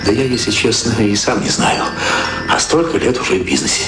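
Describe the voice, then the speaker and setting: An actor playing a calm, worldly cult initiator who guides a newcomer in a matter-of-fact, patronising way in a radio drama. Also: male voice, on the low side, brisk, very noisy, natural voice. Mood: calm, confiding. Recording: roomy studio sound with loud music.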